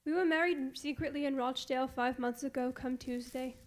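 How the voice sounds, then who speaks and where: A woman's voice: high voice, fairly even intonation, brisk, lightly acted. A woman playing an earnest, fragile young deserted bride in a radio mystery play. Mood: hurt, forlorn. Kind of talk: radio mystery theatre acting.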